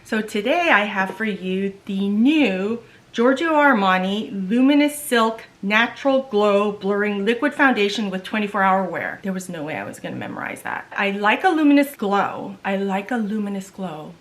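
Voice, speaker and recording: A woman's voice: medium pitch, lively intonation, normal speed. Chatty middle-aged woman beauty vlogger. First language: Korean. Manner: chatty, loses words and restarts. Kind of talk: casual makeup tutorial chat.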